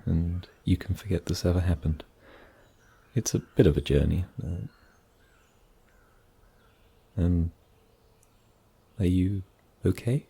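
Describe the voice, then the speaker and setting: Man playing a husky, low-voiced gentle forest mage. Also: full character voice. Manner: soft-spoken, hesitant, gently reassuring. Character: gentle, wary, kindly male forest mage. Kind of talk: fantasy ASMR audio roleplay.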